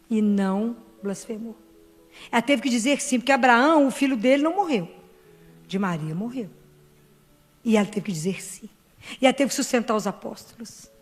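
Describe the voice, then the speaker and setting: A woman's voice: fairly high pitch, darkish tone. A Brazilian woman giving a fervent devotional sermon to a crowd and acting out dialogue as she preaches. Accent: Brazilian Portuguese. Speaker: Catholic speaker and doctor. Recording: reverberant hall with faint music.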